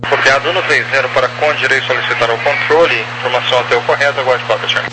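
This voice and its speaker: A man working as an air traffic controller, giving procedural, clipped clearances over a crackly radio transmission. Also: mid-range voice, fairly even intonation, quick pace. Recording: noisy, crackly aviation radio channel.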